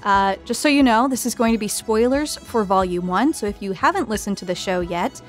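A woman's voice: medium pitch, lively intonation, fairly quick, faint music behind. A woman hosting a casual roundtable in a playful, informal way. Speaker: host.

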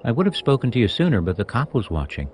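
Man putting on a joyful, high-pitched young woman. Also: huge pitch swings, fast talker, darkish tone, a little hiss or hum. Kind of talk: audiobook character voice.

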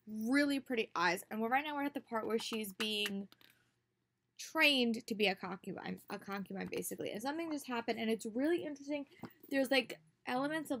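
This book vlogger, a young woman who also teaches, chats casually about reading with lots of fillers and restarts. Her voice is a little high and a bit bright, slightly hoarse from a cold. A close-range laptop webcam captures her in a small bedroom with bookshelves and posters.

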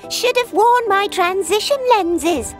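Casting: actress as sympathetic, fussy female sidekick in comedy animation, very high pitch, slow delivery. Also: animated, faint music behind, heavily acted. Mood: chirpy. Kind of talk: comedy cartoon voice acting.

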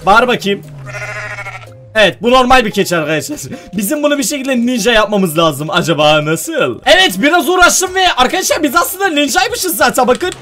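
A man with a very high, bouncy voice gives excitable let's-play commentary, talking straight to his viewers and often bursting into loud exclamations. His pitch swings widely from line to line, and faint music plays underneath. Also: fairly quick. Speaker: gaming video host.

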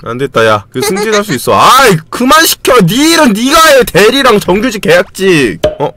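Excitable young man yelling at a game. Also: moderate pace. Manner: excitable, yells and swears at the game; reads game text aloud in a flat lower voice. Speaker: game streamer. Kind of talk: casual gameplay commentary.

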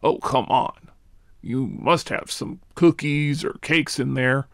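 A woman voicing a greedy, demanding wolf in a children's puppet show, gravelly and dramatic. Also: very deep voice, fairly even intonation, takes it slowly, no room sound, clean studio sound, pitched below the performer's own voice, exaggerated voice. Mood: menacing, greedy. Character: greedy, whiny, hungry male wolf.

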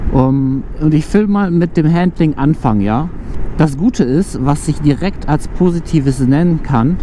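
A man's voice: fairly high pitch, dark tone, slight background noise. A man hosting his own channel, testing an intercom outdoors on the street and chatting with his partner while riding. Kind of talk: casual on-the-road test commentary.

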